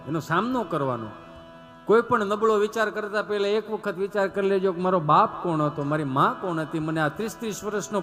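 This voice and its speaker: Bright, high-voiced stage comedian. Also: male voice. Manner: animated, addresses the audience as 'sir', rhetorical asides. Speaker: stand-up comedian. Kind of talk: live comic storytelling to an audience.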